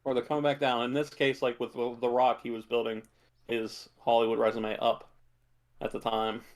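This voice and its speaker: A man chatting casually as a podcast co-host, in a halting way full of filler words and hedges. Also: medium pitch, monotone. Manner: halting, hedging delivery with many filler words. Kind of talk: casual chat about video game movies.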